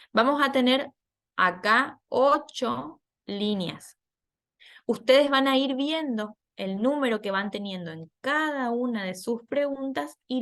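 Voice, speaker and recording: Woman teacher on a video call, patient, kinda high voice, laughs at herself. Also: a bit bright. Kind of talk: online class instruction.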